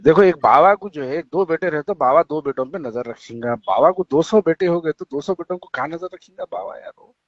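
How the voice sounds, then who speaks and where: A man's voice: on the high side, lively intonation, fairly quick, dry recording. A man with a Hyderabadi accent talking on the phone in a colloquial, dismissive and sarcastic way. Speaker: political party member on a call. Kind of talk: casual phone conversation. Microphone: telephone. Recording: dull lo-fi phone call recording.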